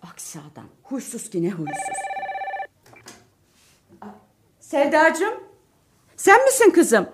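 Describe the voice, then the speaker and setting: A woman's voice: medium pitch, very animated, normal speed, background noise. An actress playing an emotional, chatty middle-aged mother in a radio drama who swings between sighs and outbursts. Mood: worried. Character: fretful, warm-hearted middle-aged mother.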